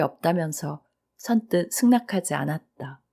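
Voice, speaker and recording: Calm and gentle, with a dark, mellow tone, the voice moves at a fairly slow pace with lively intonation in a very clean recording with a silent background. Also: woman. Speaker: audiobook narrator. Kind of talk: reading aloud. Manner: calm, gentle.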